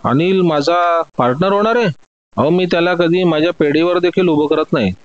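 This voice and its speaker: An older merchant bristles with offended pride in this storybook telling, as a man acts him out. The voice sits higher and quickly turns to protest. The recording is dry and a bit dull. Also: dry recording, close to an everyday voice. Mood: astonished. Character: older male diamond merchant, proud and indignant.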